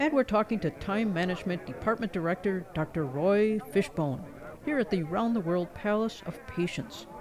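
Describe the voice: Noticeable background noise sits behind a voice with lively intonation and a moderate pace. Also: woman, medium pitch for a woman.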